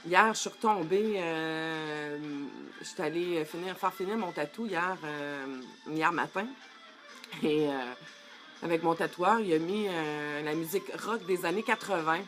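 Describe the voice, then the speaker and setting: A woman's voice: lowish voice, measured pace, faint music behind. A middle-aged woman, giving a live-streamed coaching talk in a chatty way, greeting viewers by name and using many fillers. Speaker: life coach.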